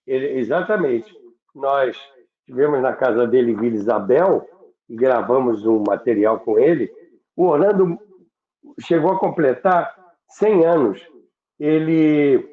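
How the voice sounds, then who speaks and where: The sound is muffled like a phone line, with noticeable room echo. An older man talks at a middling pitch. He reminisces conversationally, halting and repeating words as he goes. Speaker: radio veteran and program host. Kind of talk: reminiscing conversation about radio history.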